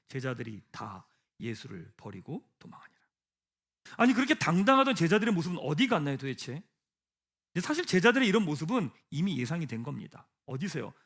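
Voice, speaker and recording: A man preaches in a church sanctuary with a high, very animated voice. He drops to a hush, then builds to emphatic peaks, firing rhetorical questions at the congregation. He leads them in reading scripture aloud together. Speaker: pastor. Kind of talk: sermon.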